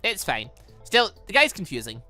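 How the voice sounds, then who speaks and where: A man's voice: high-pitched, huge pitch swings, normal speed, sharp tone, soft background music, heavily acted. A man voicing a frank, questioning girl, an artificially created being, in a visual novel. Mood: matter-of-fact. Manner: frank, matter-of-fact, questioning. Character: blunt, curious artificially created girl who loves sweets. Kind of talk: visual novel character reading.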